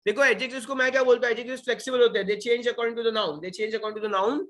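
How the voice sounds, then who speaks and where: Talking fast in a very high, fairly bright voice with a steady tone, a young Indian-accented man leads an online French revision class. He keeps quizzing students, hammers home key points by repeating them, and moves freely between Hindi and English.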